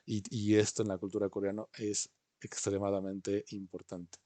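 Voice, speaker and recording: A man's voice: fairly low pitch, little pitch movement, moderate pace, dark tone, dry recording. A man teaching an online class, patiently explaining and often checking in with his students. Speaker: language teacher. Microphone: video call.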